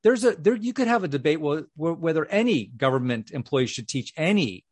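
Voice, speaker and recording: A man's voice: a little high, animated, a little fast, no room sound. Rambling male talk-show co-host. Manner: rambling with many restarts and fillers. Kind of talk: casual political talk show.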